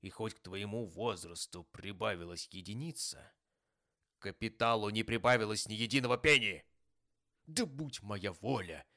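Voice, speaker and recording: A man's voice: lowish voice, moderate pace, bright, forceful tone. A man reading an audiobook voices a grumpy, stingy old miser who talks in a scornful, harsh, snapping way.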